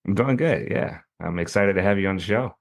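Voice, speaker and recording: A man's voice: deep voice, a little fast, creaky. A male podcast host who welcomes his guest and asks loose, friendly questions, often stumbling over his words. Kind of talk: casual interview.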